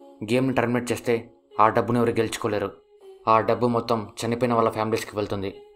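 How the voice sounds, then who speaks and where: A man with a Telugu accent narrating a series plot in a quick, steady scripted telling. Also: fairly low pitch, soft background music. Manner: fast, flat, steady telling.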